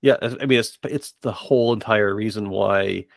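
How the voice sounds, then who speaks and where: A man hosting a podcast in casual interview chat, asking meandering, halting questions. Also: lowish voice, gravelly, no echo, clean studio sound. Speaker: podcast host.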